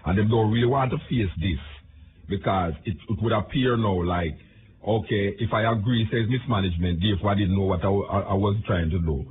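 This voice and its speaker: A man's voice: fairly low pitch, a little fast. A Jamaican man giving a rambling, indignant political rant. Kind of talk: political commentary monologue. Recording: tinny phone-like audio with noise.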